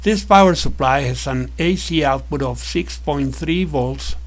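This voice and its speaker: A man narrating a scripted electronics tutorial as an instructor, explaining in a measured, methodical way. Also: a little high.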